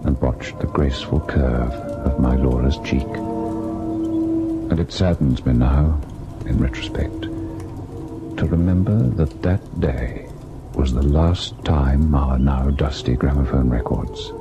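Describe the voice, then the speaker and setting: An actor playing a devoted, sorrowful husband in an old-time radio ghost drama, measured and tender in his delivery. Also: very deep voice, sing-song, muffled recording, over music, heavily acted. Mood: wistful, grave. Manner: measured, melancholy narration, tender and indulgent in dialogue. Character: devoted husband recalling a haunted, sorrowful tale.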